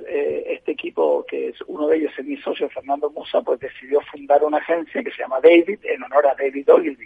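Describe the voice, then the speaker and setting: A man from Chile, a guest on a podcast, talks thoughtfully with many hesitations and restarts in a husky, gravelly voice. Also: a little high. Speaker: agency partner, guest. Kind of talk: conversational podcast interview. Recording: tinny phone-line sound.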